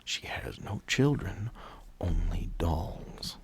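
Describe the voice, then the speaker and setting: A man voicing a disturbed female asylum patient in a tabletop horror game, slow and ominous, moving between breathy whispers and frantic cries. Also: low voice, lively intonation, exaggerated voice. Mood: hushed, eerie. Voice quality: breathy hushed whisper rising to loud cries.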